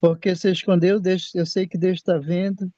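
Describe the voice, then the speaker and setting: Older Brazilian man giving a halting testimony. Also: sits high, little pitch movement, dark tone, no room sound. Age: 60s. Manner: halting, repeats and restarts words. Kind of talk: personal faith testimony. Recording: dull lo-fi sound.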